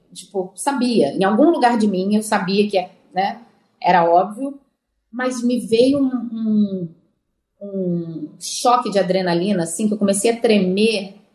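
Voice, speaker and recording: A woman speaks at a fairly slow pace and medium pitch. Her tone is dark and mellow, somewhat breathy. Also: ordinary pitch variation. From Brazil, Alagoas (Maceió). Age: 40s. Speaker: actress. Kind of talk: casual interview.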